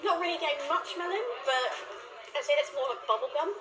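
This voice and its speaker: A woman's voice: sits high, quick pace. A woman narrating a food review video, tasting and describing dishes with enthusiasm. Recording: echoey with music behind.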